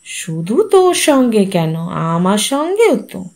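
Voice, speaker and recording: A woman voicing an older widowed mother who speaks softly and with resignation. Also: mid-range voice, big pitch swings, slow. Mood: wistful. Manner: soft, subdued, resigned.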